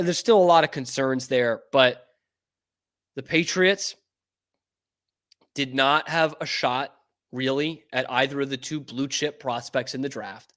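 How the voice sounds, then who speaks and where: A man from New England hosting a sports show, talking casually and getting excitable and profane. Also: medium pitch.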